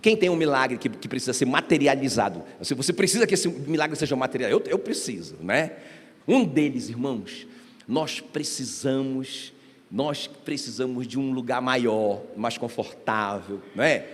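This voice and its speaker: A man's voice: mid-range voice, lively intonation, normal speed. A man preaching a sermon as pastor, emphatic and often addressing the congregation directly. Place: church hall. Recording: reverberant church hall.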